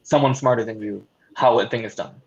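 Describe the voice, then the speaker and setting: A man's voice: medium pitch, fairly even intonation, a little fast. A man speaking informally and somewhat hesitantly as a panelist, recorded over a dull online call. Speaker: panelist, audio drama producer. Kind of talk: casual panel discussion.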